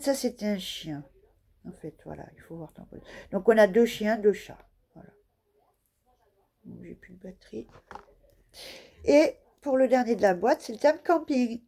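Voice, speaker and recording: A woman with a slightly husky voice chats slowly through a casual craft show-and-tell. She keeps pausing to search for words, fills the gaps and pokes fun at her own guesses. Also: medium pitch, warm tone. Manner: hesitant, searching for words, many fillers; self-deprecating, laughs at her own guesses. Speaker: scrapbooking vlogger.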